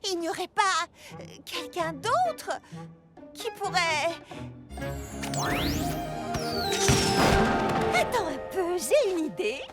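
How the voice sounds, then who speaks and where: Very high-voiced little cartoon girl, bubbly, bossy, swooping intonation, music underneath. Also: very animated, a little slow, heavily acted. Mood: curious, concerned. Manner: exclamatory, enthusiastic. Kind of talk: animated cartoon dub.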